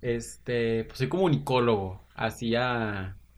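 Ordinary pitch variation runs through this man's voice, which sits mid-range in pitch. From Tijuana, Mexico. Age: 20s. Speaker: podcast co-host. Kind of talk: casual chat.

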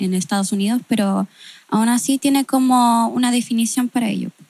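A woman with a Chilean accent speaks at a moderate pace and fairly high pitch, with ordinary pitch variation, in a dry, close sound with no echo. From Chile, Puente Alto (Santiago). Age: 20s. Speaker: singer. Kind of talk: panel discussion.

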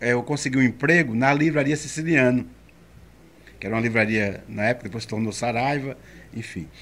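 Speaking at a fairly quick pace with long, frequent pauses, a man keeps a medium pitch and ordinary pitch variation. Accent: Pernambuco. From Brazil, Pernambuco sertão (Arcoverde). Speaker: writer, poet and theatre artist. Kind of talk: interview, life story.

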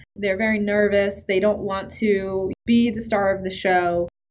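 A woman's medium-pitched voice, an ordinary speaking voice, with fairly even intonation. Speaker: conference co-host asking questions. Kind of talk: casual Q&A.

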